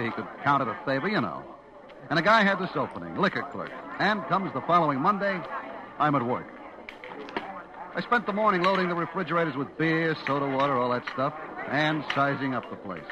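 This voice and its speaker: An actor playing a brash, lovestruck young American supermarket clerk, telling his story confidingly in slangy radio suspense style. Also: fairly high pitch. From eastern United States. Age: young adult. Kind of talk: 1950s radio suspense acting, first-person narration. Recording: dull vintage radio recording with music.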